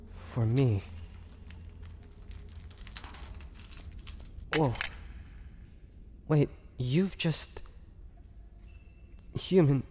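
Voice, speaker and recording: A man playing a weary, bitter young half-vampire prisoner in a dramatic audio roleplay, speaking haltingly and sorrowfully. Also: medium pitch, mellow. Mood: stunned, grateful. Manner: slow, halting, sorrowful delivery with sighs and pauses. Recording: long hall reverb, faint noise.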